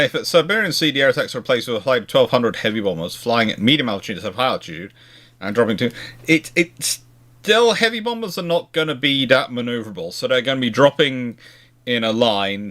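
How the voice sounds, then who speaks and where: A man hosting a casual question and answer chat on naval history, talking haltingly and often circling back to rephrase. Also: mid-range voice, lively intonation, a bit bright. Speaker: live Q&A host answering viewer questions.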